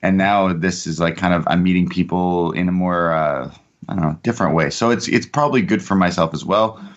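A man's voice: deep voice, a little fast, highs cut off. A hungover man chatting casually on a podcast as a co-host. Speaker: podcast co-host, trainee bartender.

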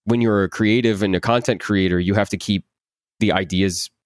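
A man in his twenties, a voice actor, chatting in an interview, animated and repeating words as he acts out quotes. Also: lowish voice, normal speed, dry recording, clean studio sound. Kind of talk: casual interview chat.

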